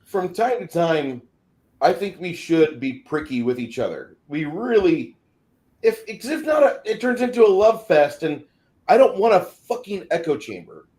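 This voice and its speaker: A man's voice: high voice, very animated, unhurried, darkish tone. A man in his forties co-hosting a casual livestream, talking bluntly and swearing freely. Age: 40s. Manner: blunt, profane. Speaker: show co-host.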